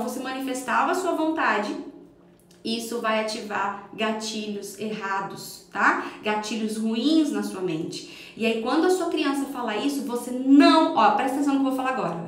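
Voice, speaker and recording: A Brazilian woman, a parenting educator, giving an earnest, emphatic live talk straight to her listeners on a phone mic. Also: high voice. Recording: echoey room.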